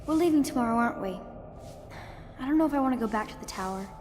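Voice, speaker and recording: An actress voicing a chatty, curious young girl who talks eagerly and quickly. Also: fairly high pitch, expressive, a little mellow, big-room sound, a little hiss or hum, close to an everyday voice.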